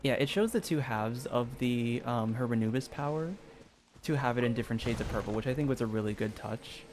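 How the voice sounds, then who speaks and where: A man's voice: medium pitch, brisk, darkish tone. A man giving casual, rambling game commentary in a hesitant way, often saying "like". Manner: hesitant, peppered with "like". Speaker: video game streamer. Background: background music.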